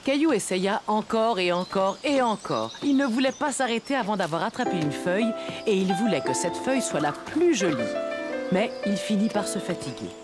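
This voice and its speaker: A woman tells a children's story from a script, in an expressive narrator's voice of middling pitch. Her melody is lively and varied, with strong music behind her. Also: normal speed.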